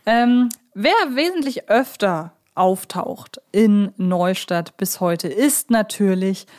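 A woman speaks as a podcast co-host at an average pitch. She talks in a casual, conversational way, as if discussing things with a partner and inviting their view. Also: lively intonation, slow, darkish tone. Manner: conversational, asks her co-host questions.

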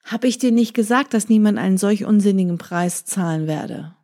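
A woman voicing a greedy, short-tempered male bird hunter in a storybook reading, gruff and scornful. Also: medium pitch, moderate pace, dark tone, close to an everyday voice. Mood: angry.

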